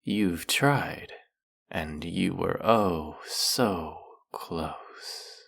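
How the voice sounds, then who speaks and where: An actor playing a suave snake-headed male villain who teases his captive in an audio roleplay, with a slow, mocking, silky manner. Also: low voice, gravelly, fairly bright tone, exaggerated voice.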